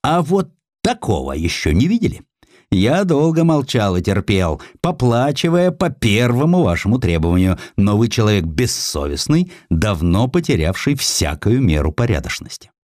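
A man voicing a gruff, plain-spoken merchant publisher in an emphatic, forthright way for an audiobook. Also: fairly low pitch, sing-song, moderate pace, a little mellow, dry recording, studio quality. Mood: furious.

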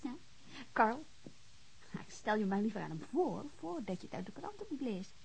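A high, lively young woman in a radio drama. She is a cheeky student daughter, teasing and playful, with a pitch that jumps about as she probes. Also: normal speed, creaky, slightly rough, exaggerated voice, low-quality recording. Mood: playful, coy. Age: young adult. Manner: playful, probing. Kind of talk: Dutch radio drama dialogue.

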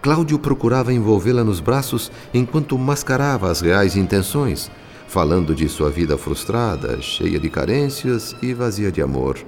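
A man's voice: lowish voice, lively intonation, normal speed, a little mellow, slight background noise. A man with a Brazilian accent giving solemn, literary, scripted narration for a radio soap opera. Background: background music.

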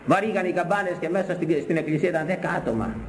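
An older priest from Greece preaching in a high voice that rings through a roomy, echoing space. He repeats his phrases for emphasis and keeps firing questions at the congregation. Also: slight background noise. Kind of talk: sermon.

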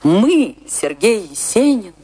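A woman's voice: medium pitch, big pitch swings, slow, dark tone, slightly rough, exaggerated voice. An actress playing a passionate, lovestruck female dancer remembering her poet husband in a theatrical radio-play monologue. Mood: tender, elated. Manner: theatrical, lingering, rapturous delivery. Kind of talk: dramatic first-person monologue in a radio play.

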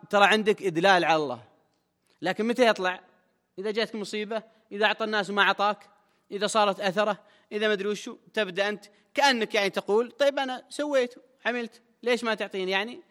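Man, sheikh giving a lesson, bright tense voice, long hall echo. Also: high voice. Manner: explains quickly in colloquial speech, with emphatic rises. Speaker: sheikh teaching a text. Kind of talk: religious lesson commentary.

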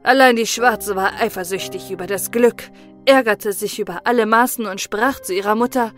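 A woman narrating a fairy-tale audiobook in a calm, measured storytelling voice. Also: mid-range voice, faint music behind.

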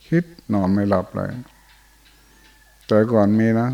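A man's voice: on the low side, level tone, measured pace, creaky, dull audio. An older man, a Buddhist monk, giving an informal dharma talk in a monastery hall, telling folksy stories and often chuckling.

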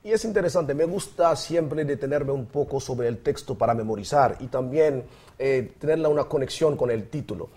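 Husky-voiced male Bible study host. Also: mid-range voice, moderate pace, dark tone. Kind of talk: friendly studio Bible study hosting.

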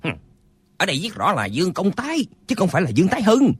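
A man's voice: high-pitched, wildly swooping pitch, fast talker, slightly rough, dry recording, heavily acted. A man voicing a quarrelsome old martial-arts eccentric who quibbles stubbornly over the meaning of words. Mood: stubborn, quibbling. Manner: bickering, stubbornly arguing word meanings.

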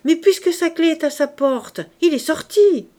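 A woman doing a shrill, half-mad ragged girl. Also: lively intonation, measured pace, lightly acted. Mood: offhand. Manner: shrill, loud.

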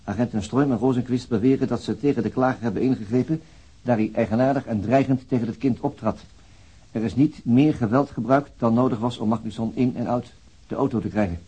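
Actor as impassive official, husky and mellow. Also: male voice, medium pitch, fairly quick, highs cut off, lightly acted. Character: impassive male police official reading an internal report. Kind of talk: radio drama, official report reading.

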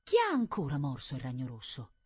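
A woman's voice: a bass voice, wildly swooping pitch, a little fast, breathy edge, no room sound, full character voice. A woman reader voicing a timid English doctor who stammers and hesitates. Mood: startled.

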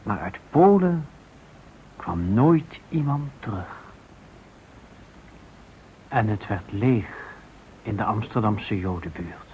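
A man narrating a radio drama in a grave, deliberate storytelling manner with pauses, his voice husky. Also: fairly low pitch, expressive, a little hiss or hum. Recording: narrow, lo-fi old radio sound.

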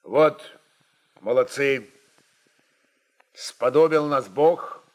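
A man playing a bold, impatient Cossack rebel chieftain who makes forceful, halting declarations. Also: mid-range voice. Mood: forceful, uneasy.

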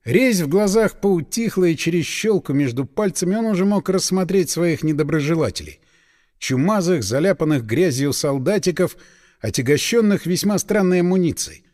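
A male audiobook narrator with a fairly high, very lively voice that rises and falls dramatically. His reading sits in a long, lingering hall reverb. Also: moderate pace.

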